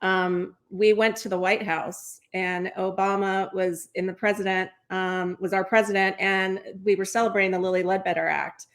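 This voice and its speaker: A woman's voice: medium pitch, level tone, moderate pace, few pauses. A woman recalling a memorable experience as an interview guest, reflective and a little awed. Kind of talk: interview, casual recollection.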